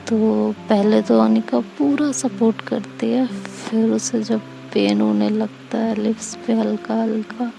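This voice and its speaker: A woman narrating a romantic story in a soft, unhurried way. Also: fairly high pitch, flat delivery, creaky, music in the background.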